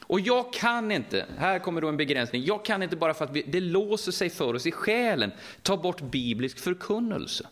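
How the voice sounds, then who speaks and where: A middle-aged Swedish man with a Västergötland accent, preaching a lively, conversational sermon and often asking the audience questions. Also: sits high. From Sweden, Västergötland.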